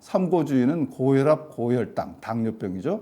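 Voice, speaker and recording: A man's dark, mellow voice at medium pitch and a fairly slow pace. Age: 60s. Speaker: neurologist, retired professor. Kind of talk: lecture. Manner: halting.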